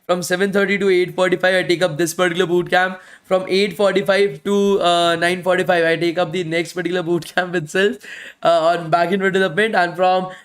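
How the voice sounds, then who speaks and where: The bootcamp instructor has a high, slightly bright voice and a brisk, flat delivery. During the live online class he responds to questions in loose, repetitive talk, finishing phrases with "guys," his voice fading from speaking every day.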